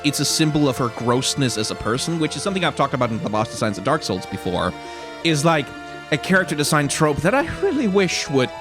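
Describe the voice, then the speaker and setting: A man giving casual, rambling commentary as he plays a game. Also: mid-range voice. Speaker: let's player voicing game characters.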